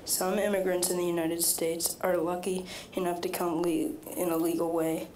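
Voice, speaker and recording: A ninth-grade girl reads a prepared speech in a steady, rather monotone way. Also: fairly low pitch, normal speed, a little hiss or hum, low-quality recording. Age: teens. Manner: steady, somewhat monotone reading. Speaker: student speaker.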